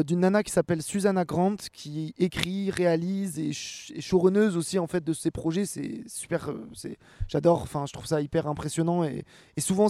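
This interview guest is a twenty-something actor and rapper from France whose slightly high voice wanders loosely through casual answers, with plenty of fillers and restarts. The studio-quality recording has no room sound.

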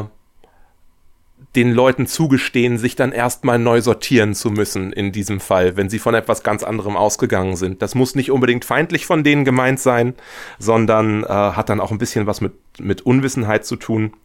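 A man with a fairly low voice speaks at a moderate pace as an interview guest. A radio play writer, he gives reflective, thoughtful answers and often searches for his words.

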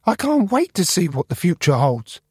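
A man doing a squeaky chirpy computer mouse. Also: huge pitch swings, normal speed, husky, no room sound, clean studio sound, exaggerated voice. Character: small male computer mouse, chirpy and upbeat.

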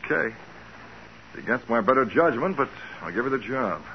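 An actor playing a blustery, reluctant company boss, exclamatory and hesitant, in 1940s radio drama style. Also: male voice, medium pitch, very animated, a little fast. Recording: dull, noisy 1940s radio recording.

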